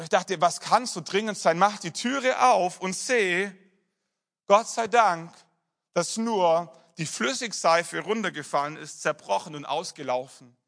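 A middle-aged male pastor preaching a sermon, telling personal stories and dropping to soft emphasis. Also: high-pitched, creaky.

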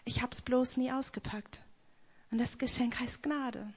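A young woman gives an emphatic spoken-word devotional testimony, slowing right down for the lines she quotes. Her voice is fairly high and husky, with a steady tone.

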